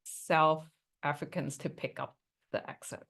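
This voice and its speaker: Low-voiced woman hosting an interview. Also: steady tone, a little slow, creaky, fairly bright tone. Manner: curious questions with short agreeing replies. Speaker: interview host. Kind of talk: casual interview chat.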